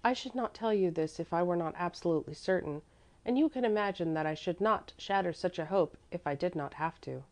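A woman reading the part of a kind, wise motherly woman who speaks tenderly and calmly to comfort a child. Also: lowish voice, fairly quick, close to an everyday voice. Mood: firm. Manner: tender, calm, reassuring.

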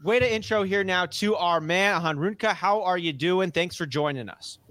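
A man hosting a podcast, talking energetically and rattling off lists at a quick clip. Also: high-pitched, fairly bright tone. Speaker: podcast host. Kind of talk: upbeat casual podcast talk.

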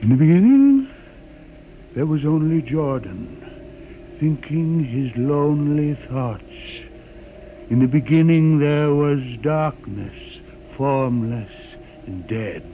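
An actor playing an old man who keeps the legend of the ship, reciting it slowly in a 1950s radio drama. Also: fairly high pitch, expressive, slight background noise. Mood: solemn chanting. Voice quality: slow, chanting delivery. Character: old male keeper of the ship's legend, solemn. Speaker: John the Witness. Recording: tinny 1950s radio broadcast with music.

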